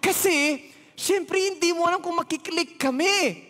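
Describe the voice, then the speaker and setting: A man voicing a chatty, excitable middle-aged woman with sudden loud exclamations. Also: extremely high pitch, unhurried, big-room sound, voice pushed up, heavily acted. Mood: gossipy.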